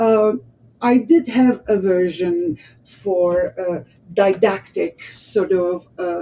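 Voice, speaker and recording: With an Armenian accent, a woman of medium pitch speaks with lively intonation. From Lebanon. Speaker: actress. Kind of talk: interview answer.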